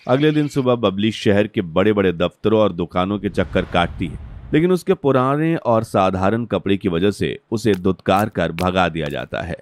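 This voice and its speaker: Male narrator for a cartoon story, steady, slightly low voice. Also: moderate pace. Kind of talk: scripted narration.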